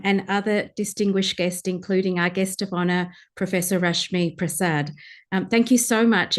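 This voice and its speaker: Earnest woman giving a speech. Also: mid-range voice. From Sri Lanka. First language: Tamil. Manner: measured and earnest, with frequent pauses to search for words. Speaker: guest speaker, pediatrician. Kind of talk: formal conference address.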